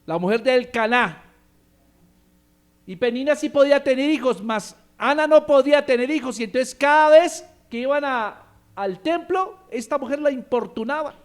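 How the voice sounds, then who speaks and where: A man's voice: very high voice, normal speed, smooth. A male pastor with a Colombian accent, preaching emphatically and calling on the congregation to respond. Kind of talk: sermon.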